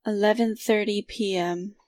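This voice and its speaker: A woman's voice: medium pitch, fairly even intonation, unhurried, a little mellow, dry recording, close to an everyday voice. A woman playing a dry, reluctant young adventurer in an audio drama. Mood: dry, uneasy.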